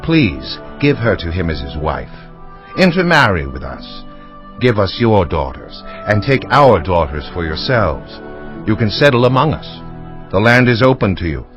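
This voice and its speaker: A man's voice: on the low side, very animated, a little slow, a bit bright, soft background music, heavily acted. A man playing a dignified, middle-aged tribal ruler in a dramatized Bible, speaking with stately, persuasive oratory. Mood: earnest appeal. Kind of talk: dramatized audio Bible acting.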